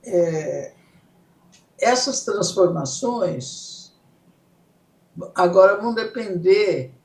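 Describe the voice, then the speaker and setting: A woman's voice: medium pitch, a little mellow, reverberant. An older woman from Italy, a psychoanalyst guest, explaining ideas step by step and often checking in with her listener. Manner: unhurried, explains in steps, checks in with "certo?". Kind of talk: reflective explanatory interview talk.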